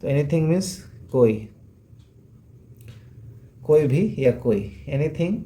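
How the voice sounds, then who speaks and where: A man teaches English reading through a phonics lesson explained in Hindi, patiently repeating sounds and checking in with rhetorical questions. His voice is fairly high and mellow, animated, with drawn-out words.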